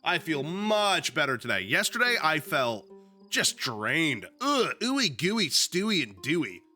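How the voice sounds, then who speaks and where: A man's voice: on the high side, big pitch swings, measured pace, sharp tone, faint music behind. A young man with a sniffly, slightly sick voice, chatting casually at home and reading a book aloud on a stream, joking and swearing freely. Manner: loose, joking, swears freely, lots of fillers. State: sniffly, still a little sick. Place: at home with his dog.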